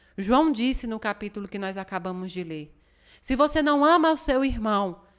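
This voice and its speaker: On a very clean recording with a silent background, a woman with a Ceará accent speaks at a fairly high pitch with lively intonation. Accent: Northeastern Brazilian (Ceará). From Brazil, Ceará (Northeast). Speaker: spiritist presenter. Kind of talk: spiritual talk.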